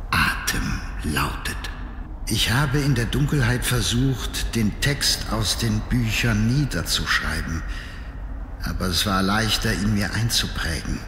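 An actor playing a troubled, scholarly diarist in a horror adventure game, speaking in a solemn, formal, dramatic manner. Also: male voice, fairly low pitch, fairly bright tone. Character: troubled scholarly male diarist, obsessed and fearful. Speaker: game character reading a diary. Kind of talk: dramatic scripted narration. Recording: echoey hall reverb, background noise.

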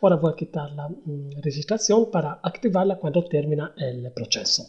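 A man giving a hesitant step-by-step software tutorial, with many pauses and fillers. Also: fairly high pitch. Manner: hesitant, many ums and ers. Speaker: tutorial host. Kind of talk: screen-recorded software tutorial. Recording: dull lo-fi voice-over.

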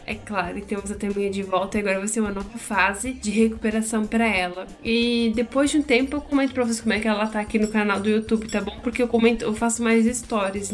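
A woman chatting in a casual home vlog about her pets, talking affectionately to them in a cooing voice. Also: medium pitch. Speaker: pet vlogger.

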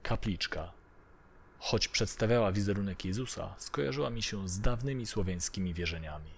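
A man's voice: lowish voice, normal speed, vocal fry, a little hiss or hum. A man narrating a first-person horror story from a script. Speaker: narrator of audio horror stories.

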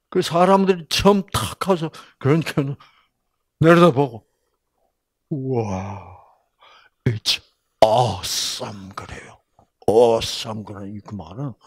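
Slow, lively older Korean man preaching. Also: fairly high pitch, no echo, clean studio sound. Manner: storytelling, acts out voices, asks the audience questions. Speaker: Bible lecturer. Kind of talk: sermon-style lecture.

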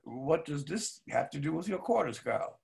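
An older actor playing a worldly, teasing, paternal elder brother in a staged reading, with a gravelly, husky voice. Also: male voice, on the high side, lively intonation, moderate pace, darkish tone, a little hiss or hum. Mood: wry concern. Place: home study, video call.

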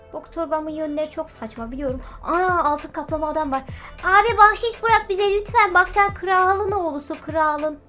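High, bright-voiced woman gamer. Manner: playful, chatty, jokes at other players. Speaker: gaming YouTuber. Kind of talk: casual gameplay commentary.

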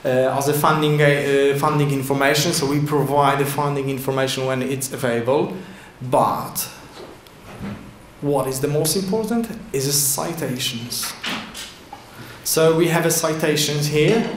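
A man giving a slide talk at a conference from a podium, in halting with frequent fillers and restarts. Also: fairly high pitch, steady tone, a little hiss or hum. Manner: halting non-native English with many fillers and restarts. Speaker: conference presenter. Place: large indoor conference hall. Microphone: lectern microphone at a podium. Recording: echoey hall with faint ambience.

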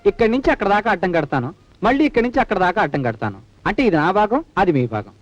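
An actor playing a simple-hearted, timid police constable, polite and repetitive, in old film dialogue. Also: male voice, sits high, very animated, very fast. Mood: earnest. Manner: polite, repetitive, adds honorifics to every phrase. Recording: dull lo-fi film soundtrack with music.

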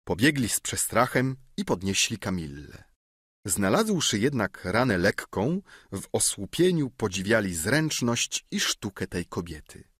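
A man narrates a classic novel as an audiobook, reading in a dramatic, expressive manner. His voice sits low but moves through a lively melodic range, recorded dry and close to the mic. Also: a little slow, husky, no echo. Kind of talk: scripted narration.

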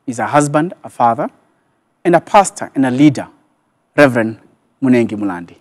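Kenyan male TV host, medium pitch. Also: lively intonation, brisk. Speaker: talk show host. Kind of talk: television interview hosting. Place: television studio. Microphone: lapel mic.

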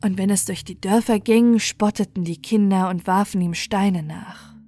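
A woman narrates a bedtime fairy tale in a mid-pitched voice. Her reading is measured and expressive, with music playing behind. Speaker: storyteller.

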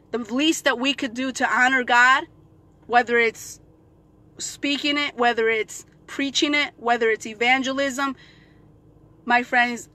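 A woman's voice: on the high side, sharp tone. A woman in her thirties talking into a phone held at arm's length inside a parked car, fervently addressing her viewers and repeating praise like a street evangelist. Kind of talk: casual vlog, preachy exhortation.

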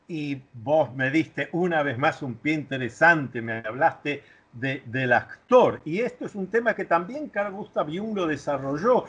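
A man's voice: medium pitch, fairly bright tone, slightly rough. An older man speaking thoughtfully in a reflective conversation, explaining ideas with a few restarts over a video call from a home study. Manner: thoughtful, lecturing, with filler restarts. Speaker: interview guest.

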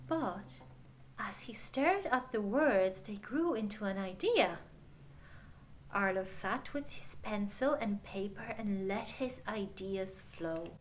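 A woman narrates a children's story at an unhurried, slow pace in a mid-pitched voice. She is expressive and deliberate, softening phrase endings and addressing young listeners directly. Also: soft background music.

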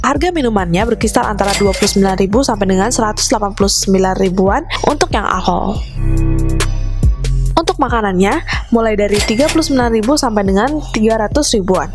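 A woman's voice: medium pitch, quick pace, over music. A young woman narrating a casual restaurant review vlog in a chatty way, often addressing viewers as guys. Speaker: vlogger.

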